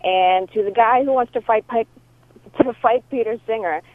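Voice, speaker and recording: A woman's voice: on the high side, normal speed, no room sound. A woman caller leaving a casual voicemail message over a muffled phone line. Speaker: listener calling in. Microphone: telephone.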